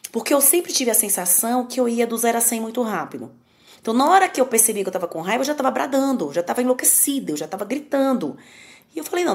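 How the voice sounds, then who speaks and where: A woman's voice: a little high, a little mellow. A woman with a Brazilian Portuguese accent, a psychoanalyst guest talking candidly and emphatically on a podcast. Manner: candid, emphatic, self-mocking. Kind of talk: conversational podcast talk.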